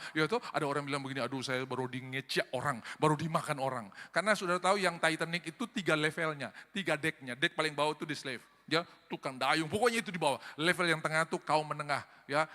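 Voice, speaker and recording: Bright-voiced preaching man in echoing church. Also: high voice. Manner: animated preaching, swings from loud exhortation to quiet asides. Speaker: pastor. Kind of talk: sermon. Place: large church hall. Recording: long reverb of a church hall.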